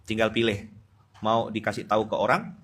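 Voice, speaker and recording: Bright-voiced, animated Pontianak Malay preacher. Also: male voice, fairly low pitch, moderate pace, husky. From Indonesia. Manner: lively, teasing, switches between loud outbursts and quiet asides. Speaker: Islamic preacher. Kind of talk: dawn study-circle sermon.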